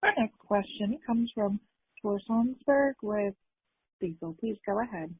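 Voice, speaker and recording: A woman's voice: mid-range voice, animated, unhurried, breathy edge, no echo. A woman working as a conference call operator, making formal announcements of the next caller. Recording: dry, narrow phone line.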